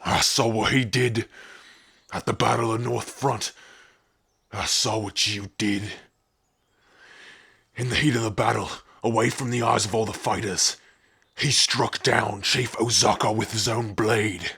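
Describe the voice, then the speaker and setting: A man voicing a loyal, blunt male orc rebel in a fantasy audio roleplay, forceful and solemn. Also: lowish voice, steady tone, measured pace, gravelly, pauses often, husky, exaggerated voice. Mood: accusing, rousing.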